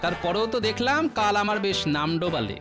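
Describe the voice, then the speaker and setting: An actor playing a witty, clever male court jester in a cartoon, calm and reasoning. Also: medium pitch, quick pace, close to an everyday voice. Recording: cartoon voice with music behind.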